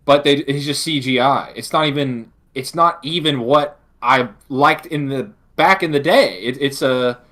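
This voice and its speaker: Man, mid-pitched voice, casual opinionated podcast talk, exasperated delivery, circles back over his points. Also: unhurried, hardly any pauses, sharp tone. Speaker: podcast co-host. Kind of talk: casual opinionated pop-culture discussion.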